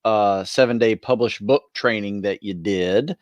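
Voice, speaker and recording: A man co-hosting a podcast in casual chat, easygoing and a bit halting as he talks. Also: fairly low pitch, no echo. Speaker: podcast co-host and fitness group trainer.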